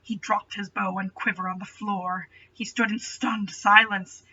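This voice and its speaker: Her husky voice sits at medium pitch, pushed and bright but flat in delivery and a little slow, as she reads a story dramatically and adds sardonic, playful remarks. A dull, far-off home microphone picked it up.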